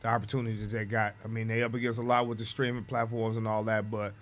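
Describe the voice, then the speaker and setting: A man's voice: lowish voice, level tone, quick pace. A man, talking as a guest DJ in a casual radio interview, laid-back and drawling, chuckling between thoughts. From Detroit, USA.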